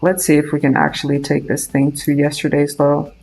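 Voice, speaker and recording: A man's voice: fairly high pitch, completely flat delivery, brisk, creaky, a little mellow, soft background music, poor audio. A young man from Romania with a Romanian accent, chatting casually on a live trading stream, thinking aloud with many fillers and restarts. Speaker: day trader streaming live.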